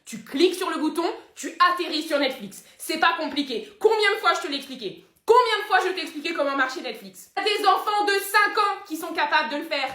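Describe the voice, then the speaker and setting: A woman playing an exasperated young woman loudly scolding her father in a comedy sketch. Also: high-pitched, fairly even intonation, fast talker, few pauses. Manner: loud, hectoring rant. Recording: roomy echo.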